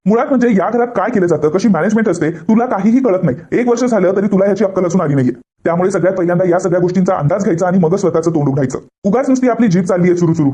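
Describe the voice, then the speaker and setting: A man's voice: sits high, racing, few pauses, warm tone, close to an everyday voice. A man voicing a haughty mother-in-law who talks down scornfully to her son's wife.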